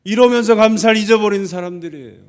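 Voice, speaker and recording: A male pastor delivers a sermon in a fairly high voice. He keeps posing rhetorical questions to the congregation. Now and then he slips into the whiny tones of complaining children to make his point. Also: fast, a little mellow, clear, resonant tone. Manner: acts out quoted grumbling children in a higher voice.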